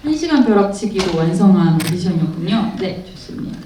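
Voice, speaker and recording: A woman moderating a film festival Q&A, asking the guests questions in a smooth, friendly way. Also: medium pitch, animated, a little fast, background noise. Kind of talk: hosting a festival Q&A. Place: cinema auditorium at a film festival. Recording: echoey hall from far off.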